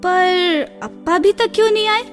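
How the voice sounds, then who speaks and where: A woman's voice: very high-pitched, moderate pace, faint music behind. A female performer playing an innocent, outspoken little daughter of a poor family in a radio play. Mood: curious, cheerful. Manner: childlike, cheeky. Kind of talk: Hindi radio play acting.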